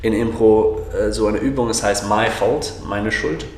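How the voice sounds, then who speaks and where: A man talks at a moderate pace with an English accent. Audible room echo and noticeable background noise are present. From South Africa. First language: English (speaking German). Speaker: actor and improv theatre trainer. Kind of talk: interview. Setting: studio, livestreamed on Facebook. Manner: halting, searching for German words.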